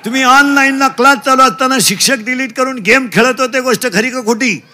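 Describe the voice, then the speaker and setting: A middle-aged man preaching a comic kirtan. He shouts questions to the children and mixes broken English into his lessons. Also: very high voice, fairly quick. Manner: shouting call-and-response with children.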